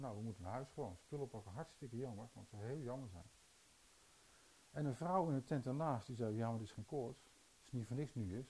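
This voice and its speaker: A man's voice: medium pitch, mellow, a little hiss or hum, low-quality recording. A man preaching a sermon, telling stories and putting rhetorical questions to his listeners. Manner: storytelling, rhetorical questions to the audience.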